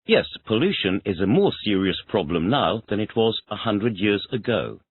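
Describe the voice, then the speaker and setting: Here a male English student works through his lesson, echoing every question back as a complete sentence. He speaks at a normal speed in a husky, lowish voice that moves through big pitch swings, captured on dry, tinny, phone-like audio.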